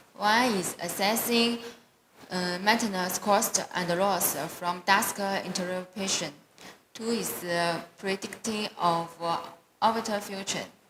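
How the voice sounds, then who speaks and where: A woman's very slow speech, with audible room echo and noticeable background noise. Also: long, frequent pauses. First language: not English. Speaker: conference presenter. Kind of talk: conference talk with Q&A. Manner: halting.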